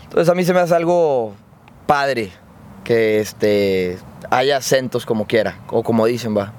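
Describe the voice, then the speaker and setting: A man's voice: mid-range voice, a little slow, darkish tone, slight background noise. A man with a northern Mexican accent, chatting casually on a podcast in slang, full of fillers. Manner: slangy, proud, uses fillers. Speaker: podcast co-host. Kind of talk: casual chat.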